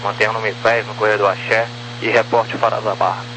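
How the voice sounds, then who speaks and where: Fast-talking male controller, noisy humming radio. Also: on the low side, flat delivery. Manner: terse, procedural. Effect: aviation radio. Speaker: air traffic controller. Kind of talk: clipped radio phraseology.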